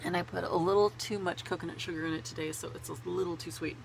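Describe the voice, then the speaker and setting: A woman's voice: on the low side, steady tone, quick pace, gravelly, a little hiss or hum, rough recording. A woman with a cold, congested and sore-throated, chatting in a rambling way to camera as a knitting vlogger from a small closet at home. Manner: rambling and chatty, laughs at herself. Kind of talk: casual chat to camera.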